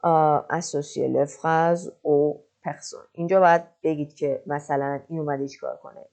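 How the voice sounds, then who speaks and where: A woman teaching French, patiently explaining and slowly reading French example sentences. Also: deep voice, flat delivery, darkish tone. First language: Persian. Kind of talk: online language lesson.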